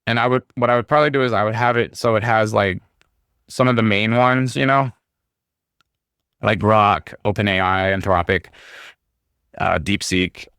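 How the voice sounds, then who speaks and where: A man talking casually on a livestream, rambling with lots of fillers, his voice going hoarse as he gets over being sick. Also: lowish voice, normal speed, long pauses, fairly bright tone, no echo, clean studio sound. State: hoarse, recovering from illness. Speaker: streamer.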